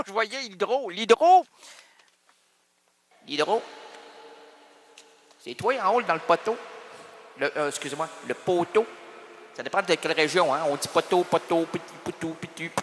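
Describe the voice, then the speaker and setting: A man's voice: a little high, a bit bright, big-room sound. A man with a Quebec French accent hosting a radio show in a rambling comic monologue, full of teasing wordplay and repeated phrases. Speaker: radio host.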